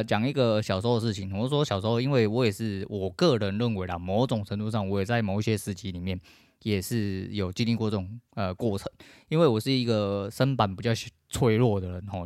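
A man's voice: fairly low pitch, brisk, a little mellow, dry recording, studio quality. A middle-aged man with a Taiwanese Mandarin accent, hosting a podcast in a blunt, profane, emphatic casual rant. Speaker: podcast host.

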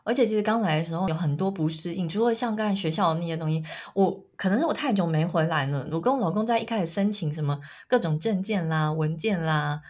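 Husky-voiced chatty Taiwanese woman. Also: fairly low pitch, quick pace, hardly any pauses, a little mellow. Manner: chatty storyteller, laughs often. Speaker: podcast co-host. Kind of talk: casual chat.

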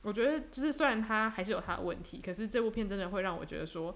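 A young woman from Taiwan co-hosts a podcast, chatting casually and reflectively with fillers and restarts. Her medium-pitched voice races along and sounds a bit bright.

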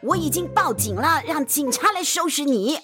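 Woman playing a grumpy old temple keeper, scolding, indignant, high-pitched, music behind. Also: expressive, normal speed.

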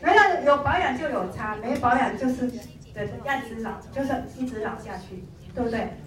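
A middle-aged woman gives a lively sales training talk, telling stories and acting out the people in them. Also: fairly high pitch, normal speed, far from the mic. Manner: animated storytelling, acts out quoted people. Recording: echoey room, voice from off-mic.

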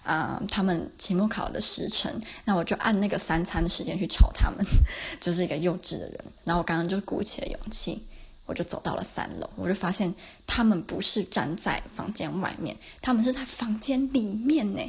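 Twenties woman, rattles off her stories, kinda breathy low-ish voice. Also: brisk. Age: 20s. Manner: chatty, self-mocking anecdotes with frequent laughs. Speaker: podcast host. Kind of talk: casual solo podcast storytelling.

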